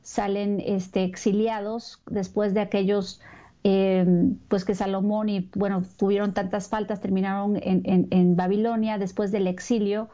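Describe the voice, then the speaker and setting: A woman from Mexico with a Mexican accent giving a Catholic religious talk, pausing often with fillers and repeated words. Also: mid-range voice, flat delivery, dark tone. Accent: Mexican Spanish. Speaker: Catholic speaker. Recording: dull lo-fi recording.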